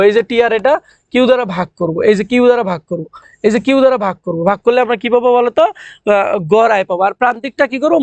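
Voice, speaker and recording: A young man from Bangladesh teaching an economics class, talking fast, repeating key points and quizzing students as he works through the numbers. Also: very high-pitched, gravelly, dry recording. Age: young adult. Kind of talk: online class lecture.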